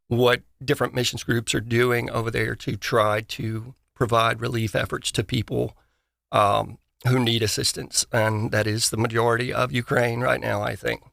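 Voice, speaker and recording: A man's voice: mid-range voice, gravelly, fairly bright tone, dry recording, studio quality. A man speaking casually on a talk show, hesitant and feeling his way through his sentences. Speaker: panel participant introducing a guest.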